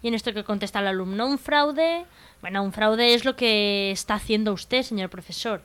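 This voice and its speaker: A woman co-hosting a radio comedy show, telling jokes in an unhurried way and laughing easily. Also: mid-range voice, steady tone, fairly bright tone, clean tone.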